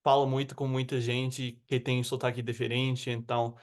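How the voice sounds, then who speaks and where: A man's voice: medium pitch, moderate pace. An American man who speaks learned Portuguese with a Rio accent, chatting casually and a bit rambly as an interview guest. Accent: American, with Rio de Janeiro Portuguese. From United States. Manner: relaxed, rambling with fillers.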